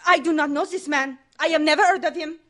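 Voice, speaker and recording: A woman acts out a fiery young singer in a radio mystery. Her voice is extremely high. She speaks melodramatically, jealous and possessive of her man. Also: fast, pushed and bright. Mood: guarded, suspicious. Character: passionate, possessive young Casbah singer with broken English. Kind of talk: radio mystery drama acting.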